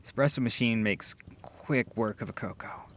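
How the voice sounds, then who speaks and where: A man playing a gentle, affectionate boyfriend in an intimate ASMR comfort roleplay, speaking softly, tenderly and reassuringly. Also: mid-range voice, natural voice. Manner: soft, tender, unhurried, reassuring.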